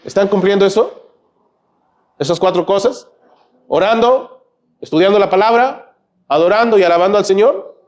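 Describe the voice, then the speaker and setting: A man with a Peruvian Spanish accent preaching a church sermon, peppering his points with quick "¿ve?" and "¿no?" asides to the congregation. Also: high voice, animated, darkish tone. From Peru. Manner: conversational preaching, frequent "¿ve?" and "¿no?" asides. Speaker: pastor. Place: church sanctuary.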